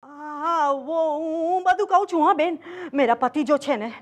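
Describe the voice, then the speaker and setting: An actress playing a tearful young housewife with a Gujarati accent, pleading in Hindi mixed with Gujarati words in a TV sitcom. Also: female voice, high voice, slow, heavy background noise. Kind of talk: sitcom acting.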